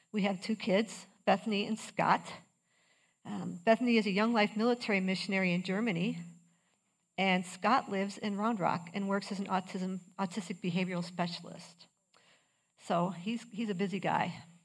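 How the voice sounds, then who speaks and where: A woman with an American accent speaks at a moderate pace in a medium pitch, somewhat breathy and monotone with flat intonation, on a very clean recording with a silent background. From US Midwest, Chicago suburbs. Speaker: Bible study speaker. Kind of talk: women's Bible study talk.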